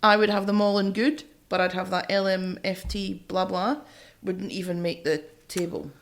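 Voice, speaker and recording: A woman's voice: mid-range voice, fairly even intonation, normal speed, slight background noise. A woman co-hosting a music review podcast in casual chat, thinking aloud as she weighs her opinions. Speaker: podcast co-host reviewing albums.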